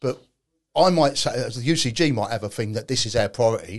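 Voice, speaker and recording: A somewhat breathy man with a London accent, medium-pitched and very fast, against a quiet background. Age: 50s. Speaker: taxi trade organization secretary. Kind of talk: casual chat.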